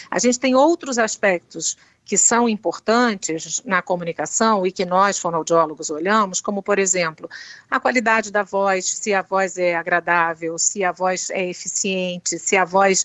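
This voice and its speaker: This woman talks fairly slowly in a Rio de Janeiro accent. Her voice is medium-pitched with ordinary pitch variation. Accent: Rio de Janeiro (carioca). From Brazil, Rio de Janeiro. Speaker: speech therapist. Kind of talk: radio interview.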